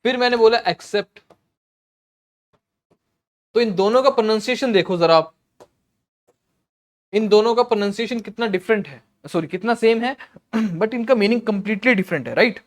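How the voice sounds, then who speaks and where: A high-voiced man teaches exam vocabulary in a mix of Hindi and English. He explains slowly, repeats words, checks in with "okay" as he goes, and clears his throat often.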